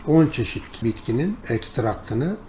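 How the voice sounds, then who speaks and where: A man's voice: mid-range voice, big pitch swings, measured pace, warm tone, a little hiss or hum. An older man presenting his herbal products in an emphatic monologue, rattling off long lists and telling anecdotes. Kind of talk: promotional monologue.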